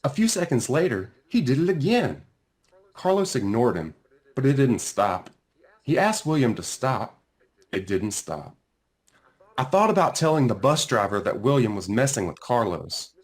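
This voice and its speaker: A man reading his own children's book aloud in an expressive storytelling style, with dramatic pauses and drawn-out phrases. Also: mid-range voice. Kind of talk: animated children's read-aloud narration.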